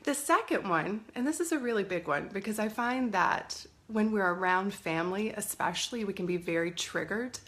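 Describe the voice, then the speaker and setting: A middle-aged woman talks casually into her phone on a live stream, her voice a little hoarse after a cold. She speaks at an easy, mid-range pitch and chats warmly with the viewers she sees joining in. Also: animated, moderate pace, hardly any pauses. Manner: chatty, greets viewers by name. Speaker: lifestyle coach hosting a live stream. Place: indoors at a family home. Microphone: phone or webcam live stream.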